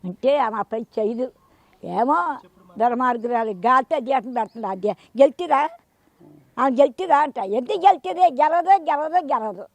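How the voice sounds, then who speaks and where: Older woman voter, emphatic and repetitive, high-pitched, dry close sound. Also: expressive, normal speed, dry recording. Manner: emphatic, rambling, repeats herself. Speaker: interviewed voter. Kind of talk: street interview.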